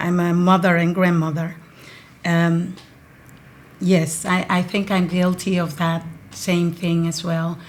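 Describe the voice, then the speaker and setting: A somewhat breathy woman at a fairly low pitch, very slow and monotone with flat intonation and long, frequent pauses. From Dominican Republic. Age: 40s. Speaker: podcast guest. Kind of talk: casual chat. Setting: studio. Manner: halting.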